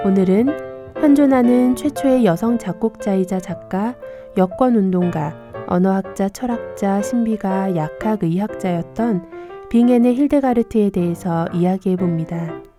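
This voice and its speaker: With music in the background, a woman speaks fairly slowly at a medium pitch, her pitch swinging very widely. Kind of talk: educational history narration.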